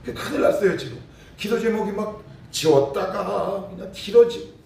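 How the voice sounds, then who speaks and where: A male pastor giving a lively sermon, asking his congregation questions and acting out little scenes. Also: high-pitched, moderate pace, creaky. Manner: animated preaching, acting out scenes and rhetorical questions. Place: church sanctuary. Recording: very echoey church hall, voice from a distance.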